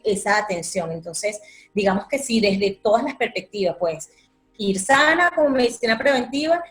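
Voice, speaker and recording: A woman, a yoga teacher calmly explaining her practice in an interview. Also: on the high side. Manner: calm, explanatory, repeats words for emphasis. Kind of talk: interview answer.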